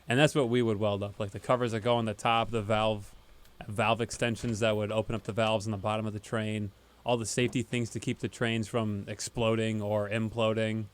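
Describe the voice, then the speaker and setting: A man co-hosting a casual podcast, explaining at length in a relaxed way with many fillers. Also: fairly low pitch, brisk. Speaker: podcast co-host, band member. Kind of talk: casual chat.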